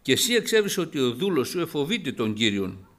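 A man preaching a sermon, lively and rising to loud emphatic passages. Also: medium pitch.

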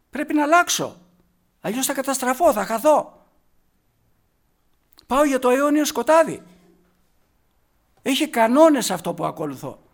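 A man with a notably high-pitched voice preaches a sermon. He speaks with emphasis and keeps putting rhetorical questions to his listeners. He drops to quiet, slow passages to stress key words, then rises into loud, forceful bursts.

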